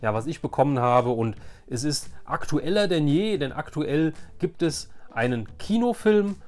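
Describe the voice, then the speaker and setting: A man's voice: a little high, animated, unhurried, darkish tone. A man in his forties from Germany hosting a casual, nostalgic show-and-tell, speaking in a rambling, repetitive, hesitant way. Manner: hesitant, rambling, repeats phrases. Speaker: YouTube host showing childhood collections.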